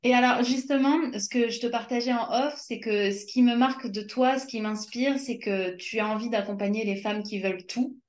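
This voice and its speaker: A woman's voice: fairly high pitch, normal speed, few pauses, darkish tone, roomy sound. A woman interviewer asking questions in a casual, curious way.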